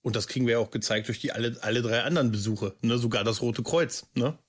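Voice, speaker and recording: A man's voice: mid-range voice, fast, husky. A man co-hosting a podcast who mostly affirms the others and asks follow-up questions. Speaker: podcast co-host. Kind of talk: casual podcast chat.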